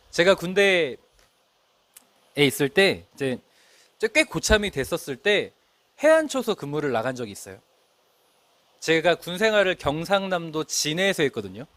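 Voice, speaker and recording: A man's voice: high-pitched, a bit bright, dry recording. A middle-aged male pastor preaching a sermon, telling a story and asking the congregation questions. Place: church.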